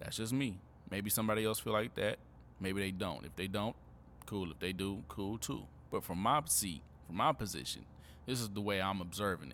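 A fairly low-pitched man at a fairly quick pace, with long, frequent pauses and ordinary pitch variation. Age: 30s. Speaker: podcast host. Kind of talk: solo monologue podcast. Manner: casual, hesitant with fillers.

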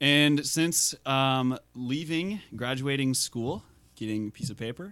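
A man with an American accent, medium-pitched and bright with a sharp tone, at a fairly slow pace with ordinary pitch variation, on a very clean recording with a silent background. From Minnesota, US. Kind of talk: casual chat. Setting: studio.

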